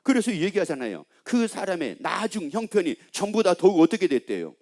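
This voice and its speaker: Pastor man giving a sermon in church, high voice, keeps firing questions at the crowd. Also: sing-song, brisk, a little mellow. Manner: emphatic, keeps asking the congregation questions.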